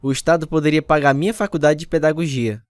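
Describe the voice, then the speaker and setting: A man's voice: fairly high pitch, steady tone, fast talker, clear, resonant tone, no room sound, studio quality, lightly acted. A man with a Brazilian accent playing a devout, grateful retired teacher in a radio drama, speaking earnestly. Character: devout retired special education teacher, grateful older husband. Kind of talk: radio drama acting with first-person narration.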